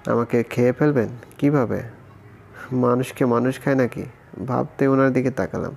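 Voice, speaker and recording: A man hosting and narrating a romance audio story in a steady, even reading. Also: mid-range voice, moderate pace, gravelly, a little hiss or hum. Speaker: story narrator, channel host.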